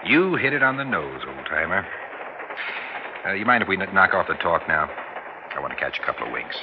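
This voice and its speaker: A man's voice: deep voice, very animated, fairly quick. An actor playing a brash, impatient businessman from New York, slangy and restless, in an old drama. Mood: brisk, dismissive. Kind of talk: old broadcast drama acting. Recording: muffled, noisy old drama soundtrack.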